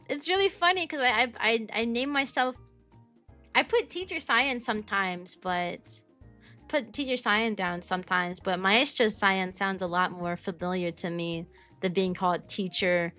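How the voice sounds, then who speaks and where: A woman in her mid-twenties with a high, youthful-sounding voice, chatting casually with her stream viewers and rambling with lots of ums, likes and restarts. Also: pushed and bright. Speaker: VTuber streamer and kindergarten teacher.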